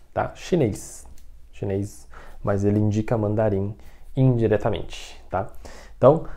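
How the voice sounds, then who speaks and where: A man teaching Mandarin in an online lesson, saying sentences slowly for drills and explaining them in chatty full of "né?" and "tá?". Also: mid-range voice, darkish tone. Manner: slow drilled Mandarin, chatty Portuguese asides with "né?" and "tá?".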